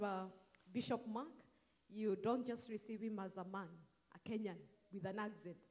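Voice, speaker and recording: A woman, a pastor's wife, thanking the congregation and praying over them in church. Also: mid-range voice. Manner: warm, prayerful and gracious. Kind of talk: church address.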